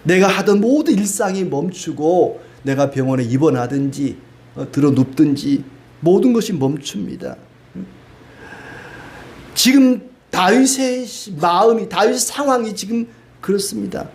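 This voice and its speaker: A man's voice: sits high, animated, unhurried, a little mellow. A man preaching a sermon in a conversational way, dropping frequent rhetorical asides and rising into pleading emphasis. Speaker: pastor.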